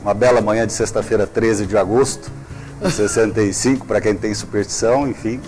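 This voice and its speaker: A man, a prosecutor guest in a studio interview, speaking in a measured, formal way with frequent hesitations. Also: fairly low pitch, steady tone, a little mellow, faint music behind. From Brazil. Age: 50s.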